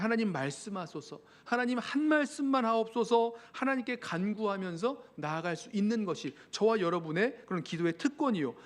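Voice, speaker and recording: A male pastor with a Korean accent preaches a sermon earnestly and voices pleading prayers as he goes. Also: high-pitched. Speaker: senior pastor.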